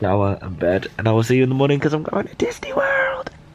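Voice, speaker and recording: A man with a British accent. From UK. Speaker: travel vlogger. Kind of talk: casual talk to camera.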